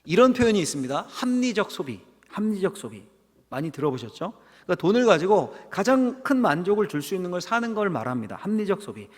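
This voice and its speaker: A man's voice: high-pitched, very animated, quick pace. A middle-aged male pastor giving a conversational sermon, asking the congregation questions. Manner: conversational preaching with rhetorical questions and acted quotes. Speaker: senior pastor. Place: church sanctuary. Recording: long hall reverb.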